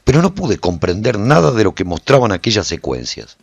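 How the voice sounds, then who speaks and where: Deep husky dramatic warrior-narrator. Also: male voice, wildly swooping pitch, brisk, no echo, heavily acted. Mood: grave, tense. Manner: intense, theatrical. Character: weary male sword-wielding warrior narrating a post-apocalyptic adventure. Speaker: narrator and protagonist. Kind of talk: dramatic first-person radio drama narration.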